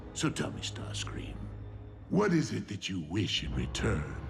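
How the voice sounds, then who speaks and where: Loud background noise sits behind the speech. The cartoonish character voice moves at a moderate pace. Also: man. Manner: slow, measured, menacing.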